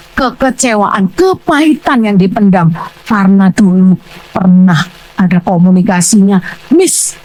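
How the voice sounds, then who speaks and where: Loud animated older woman preacher. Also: fairly high pitch, low-quality recording. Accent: Surabaya Javanese Indonesian. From Indonesia. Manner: animated storytelling, loud and emphatic, acting out dialogue. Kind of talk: sermon. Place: church.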